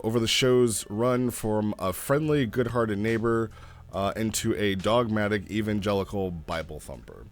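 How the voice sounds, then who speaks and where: A man hosting a casual review, talking informally and haltingly in an amused way as he thinks aloud. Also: lowish voice. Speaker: host reviewing role-play logs. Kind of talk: casual rambling review commentary.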